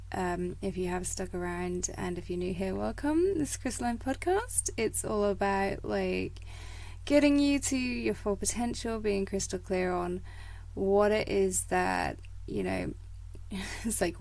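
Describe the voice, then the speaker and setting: A woman hosting a motivational podcast in a casual, rambling way, full of fillers and little laughs, her voice croaky from a coming cold. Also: fairly low pitch, a little mellow. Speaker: podcast host.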